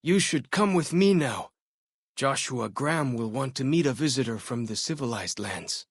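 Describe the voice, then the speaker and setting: A man's voice: mid-range voice, lively intonation, moderate pace, husky, no echo, studio quality. A man playing a friendly, curious young tribal scout and guide in a video game, chatty and folksy. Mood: welcoming, helpful. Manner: folksy, chatty, inquisitive, easygoing phrasing. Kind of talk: video game companion dialogue.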